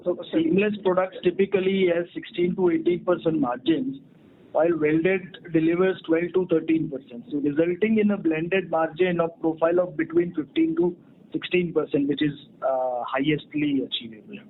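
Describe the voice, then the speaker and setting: A man with an Indian accent answering analysts as a company executive on an earnings call, in formal, measured explanations. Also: fairly high pitch, expressive, creaky. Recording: tinny phone-line conference call.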